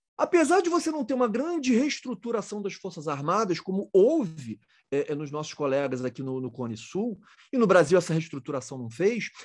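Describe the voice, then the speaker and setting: Over a quiet background, a man talks in a high pitch with very wide pitch swings. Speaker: professor of military law, former military police. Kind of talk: lecture-style interview discussion. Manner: fast; repetitive with fillers.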